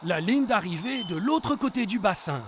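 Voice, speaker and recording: A woman playing an encouraging, gentle grown-up minding young children in a children's cartoon. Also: medium pitch, animated, moderate pace, a little hiss or hum, lightly acted. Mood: announcing. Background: music.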